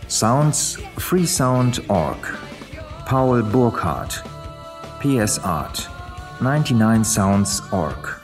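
A man reading scripted end credits as an announcer for an audio drama. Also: fairly low pitch.

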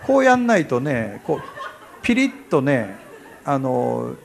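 A man in his sixties preaching a sermon as pastor, chatty and humorous, acting out little dialogues and swinging from quiet asides to loud bursts. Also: medium pitch, wildly swooping pitch, measured pace, vocal fry, a little hiss or hum.

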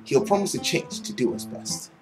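A young man reading a visual novel aloud dramatically, with an expressive, theatrical manner. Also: moderate pace. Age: young adult. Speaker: let's play host. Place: small indoor room at home. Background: music.

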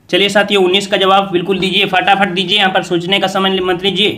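Bright high-voiced exam tutor. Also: male voice. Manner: repeats answers as questions to the viewers, brisk and coaxing. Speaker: exam coaching teacher. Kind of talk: quiz-style exam revision lesson.

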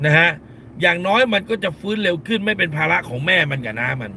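A middle-aged man hosts a live stream from a car, speaking in a gravelly, somewhat high voice with a sharp, forceful edge. He is blunt and scolding, uses crude slang and hammers points home by repeating phrases. Faint road noise sits behind him. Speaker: lawyer and live-stream host. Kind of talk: casual live-stream commentary.

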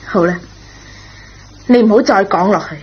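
An actress playing a kind, forgiving schoolteacher in a radio drama, speaking in a gentle, measured, reassuring way. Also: female voice, medium pitch, breathy edge. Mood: calm, relieved. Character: kind, forgiving, patient female schoolteacher, a parent. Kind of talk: Cantonese radio drama acting. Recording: dull, noisy old radio recording.

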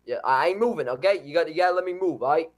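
A man's voice: on the high side, expressive, racing, close to an everyday voice. A man voicing tough male harbor waves in a put-on New York accent, with brash, pushy street talk.

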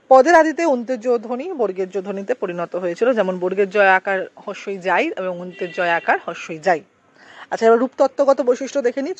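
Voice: mid-range voice, no echo. A teacher giving an exam-prep lecture, reading notes aloud steadily and listing example after example. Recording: dull lo-fi recording.

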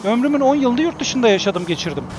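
A man in his forties chatting bluntly while playing a game, swearing freely and breaking into excited shouts. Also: extremely high pitch, fairly quick, music in the background. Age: 40s. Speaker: gaming streamer. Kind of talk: casual gameplay commentary.

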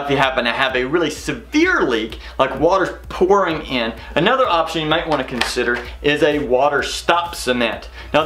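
A man's voice: a little high, a bit bright. A middle-aged man hosting a home improvement lesson, explaining practical steps in a plain-spoken, instructional way. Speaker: host of a home improvement how-to show. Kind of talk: instructional how-to explanation to camera.

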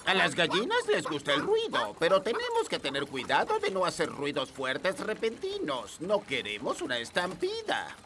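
A man's voice: high-pitched, huge pitch swings, moderate pace, few pauses, noisy background. A man with a Latin American Spanish accent playing a pompous, scholarly old elf in a cartoon, lecturing as he talks. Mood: cautioning. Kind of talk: animated cartoon dub. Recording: loud cartoon music behind.

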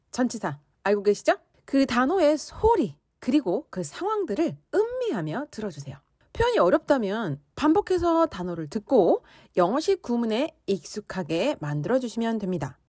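A woman teaching English conversation in Korean, lively and playful, acting out angry reactions as she explains expressions. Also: a little high, no echo, studio quality.

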